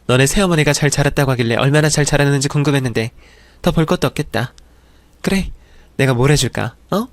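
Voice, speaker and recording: A man voicing a sharp-tongued, defensive middle-aged mother who snaps and scolds in a dramatized story reading. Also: medium pitch, quick pace, no room sound, lightly acted. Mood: scornful. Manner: snapping, scolding.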